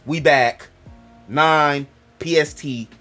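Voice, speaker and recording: Speaking very slowly in a fairly high, sharp-toned voice over soft background music, a young Black American gaming host gives a rambling casual monologue. His African American English delivery is loose and joking, full of digressions and self-interruptions.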